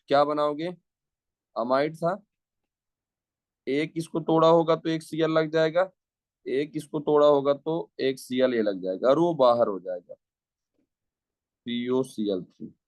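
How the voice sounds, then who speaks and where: A man's voice: medium pitch, fairly even intonation, a little slow, long pauses, no room sound. A man teaching a chemistry lecture who repeats his phrases and asks rhetorical questions as he talks students through each step. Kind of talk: classroom lecture.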